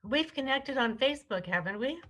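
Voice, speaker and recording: A woman co-hosting a wellness show gives live astrology readings to callers, chatty and affectionate, often restarting her sentences. Her high voice is expressive, brisk and a bit bright.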